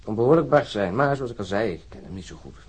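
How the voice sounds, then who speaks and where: A man playing a wry, reflective, argumentative police colleague in a crime radio drama, with a husky voice. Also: fairly low pitch, big pitch swings, quick pace.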